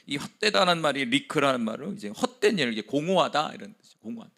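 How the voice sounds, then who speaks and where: A man preaching a sermon as pastor, conversational, laughing often and dropping to quiet whispered asides. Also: medium pitch, very animated, fast, gravelly.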